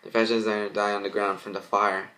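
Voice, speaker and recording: A man's voice: lowish voice, little pitch movement, pushed and bright. A man reading fan fiction aloud as an amateur narrator, stumbling and restarting as he goes. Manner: halting, stumbles over words. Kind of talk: amateur dramatic story reading.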